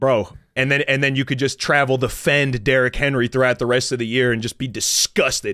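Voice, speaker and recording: A man's medium-pitched voice with a bright, sharp tone, fairly even intonation, and a fairly quick pace. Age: 30s. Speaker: podcast host and Madden content creator. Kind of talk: casual interview. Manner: casual, halting with many fillers.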